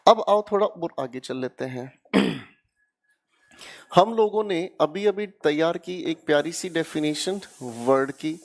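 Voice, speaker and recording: Indian man, grammar teacher, high voice, coaxing, keeps checking students follow. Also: animated, slow, creaky. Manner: coaxing, keeps checking students with "haan ya na?" and "theek hai beta?". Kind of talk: online exam-prep lecture.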